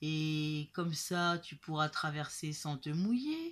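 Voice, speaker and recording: A woman puts on a character voice with a very deep, low pitch. She speaks at a fairly slow pace. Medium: read story. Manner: smooth, persuasive.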